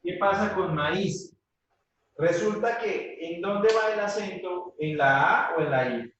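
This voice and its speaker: A man's voice: high-pitched, slow, a bit bright, highs cut off, slight background noise. A male teacher giving a classroom grammar lesson, patiently checking in with his students after each point. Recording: very echoey room, voice from far off.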